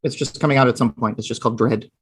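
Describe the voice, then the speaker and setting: A man speaking as a guest author on a podcast, easygoing and quick to laugh, with many ums. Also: mid-range voice, fairly even intonation, breathy edge. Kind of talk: casual podcast chat.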